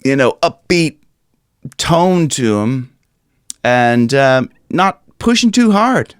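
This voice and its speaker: Speaking slowly and expressively at medium pitch, a vocal coach from Ohio in his forties runs a loose, talkative singing lesson and occasionally sings lines as examples. His voice gets raspy up high. The studio-quality audio has no echo, captured on a stand mic in a small curtained room while he wears headphones.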